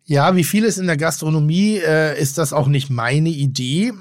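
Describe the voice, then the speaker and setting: A man's voice: a little high, moderate pace, no echo. Effusive rambling man, dry close mic. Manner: rambling, effusive, trailing off and restarting. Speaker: podcast co-host, restaurateur. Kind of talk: casual podcast chat.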